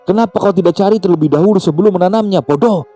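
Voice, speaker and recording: A man's voice: medium pitch, expressive, a little fast, dark tone, natural voice. A man voicing a stern old village grandmother healer who scolds harshly. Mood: scolding.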